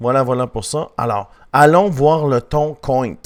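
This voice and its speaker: On a very clean recording with a silent background, a man speaks with a Quebec accent and ordinary pitch variation. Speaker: crypto trading YouTuber. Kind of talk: promotional pitch.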